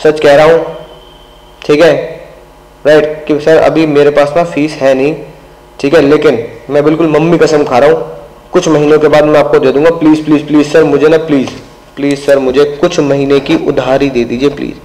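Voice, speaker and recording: A man voicing a young male student who softly pleads with his teacher for a few months' credit on his fees, repeating please. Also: on the high side, level tone, normal speed, natural voice. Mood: pleading. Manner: soft, begging, repeats please. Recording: roomy echo.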